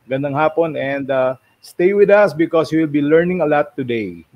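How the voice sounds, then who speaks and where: A man's voice: on the high side, expressive, a little fast. Filipino man on a dull video-call line. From Philippines. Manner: warm greeting, code-switching English and Filipino. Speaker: guest panelist.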